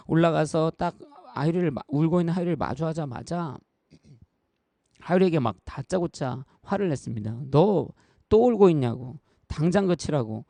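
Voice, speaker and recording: Gravelly-voiced man preaching a sermon. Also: mid-range voice, warm tone, no echo. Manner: earnest, conversational preaching with personal stories; addresses the congregation directly and repeatedly. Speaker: pastor. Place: church.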